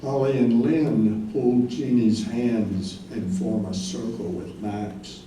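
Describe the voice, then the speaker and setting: A man's voice: medium pitch, fairly even intonation, takes it slowly, mellow, close to an everyday voice. A man narrating the action in a staged play reading. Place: live staged reading in echoey room. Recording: very echoey room, distant, faint noise.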